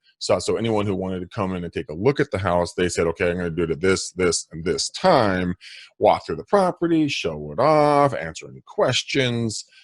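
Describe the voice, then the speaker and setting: Over a quiet background, a man talks at a fairly quick pace with big swings in loudness. The sound is dry and close, with no echo. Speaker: real estate coach. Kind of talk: casual chat.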